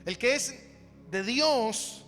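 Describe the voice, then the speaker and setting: Guy pastor preaching bible stuff, really high voice, repeats himself hard, music behind him. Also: animated, extremely slow, a bit bright. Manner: emphatic, repetitive, rhetorical questions to congregation. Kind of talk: sermon, Bible teaching. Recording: echoey hall, music behind the voice.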